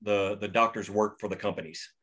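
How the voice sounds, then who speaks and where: A man's voice: lowish voice, fairly even intonation, fairly quick, fairly bright tone. A man hosting a script table read, casually explaining the story and its history, with many restarts. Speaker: writer and host of the table read.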